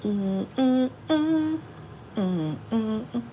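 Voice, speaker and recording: A woman in her fifties chatting casually with viewers on a livestream, loud and laughing often. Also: a little high, animated, drawn-out words, dull audio, slight background noise. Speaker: live streamer.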